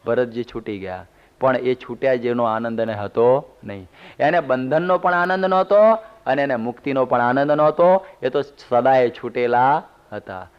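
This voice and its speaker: Male monk, sermon delivery, folksy storyteller, smooth clear tone, muffled lo-fi recording. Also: medium pitch, normal speed. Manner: storytelling, homely humorous asides. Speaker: monk giving a religious discourse. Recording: dull lo-fi CD recording.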